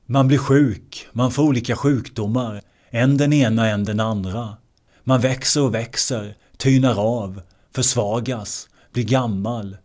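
Man giving a measured meditation discourse. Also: medium pitch, steady tone, a little mellow. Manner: measured, repeats key words. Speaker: meditation teacher.

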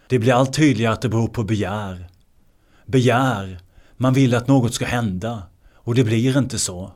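A man teaching meditation in a measured way, often repeating key words. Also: medium pitch, a little mellow. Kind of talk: translated meditation discourse.

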